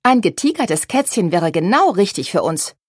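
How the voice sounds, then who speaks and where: A woman's voice: on the low side, sing-song, normal speed, breathy edge, no echo, studio quality. A woman reading a sensible young daughter. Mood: calm.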